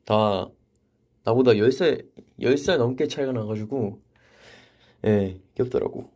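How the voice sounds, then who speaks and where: Relaxed young man chatting on livestream. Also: medium pitch, a little slow. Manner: reads viewer comments aloud and answers in a relaxed, chatty way. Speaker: idol livestream host. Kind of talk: casual livestream chat answering viewer comments. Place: vocal practice room.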